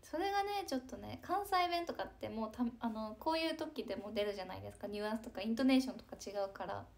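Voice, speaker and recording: A young woman, chatting casually on a live stream, breezy and talkative with soft asides. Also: on the high side, animated, fast talker, creaky. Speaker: idol livestreamer reading chat comments.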